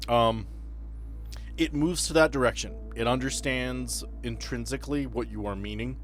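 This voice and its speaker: A man's voice: mid-range voice, normal speed. Man running a tabletop game over music. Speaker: game master. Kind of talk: improvised narration of a tabletop game. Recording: music behind the voice.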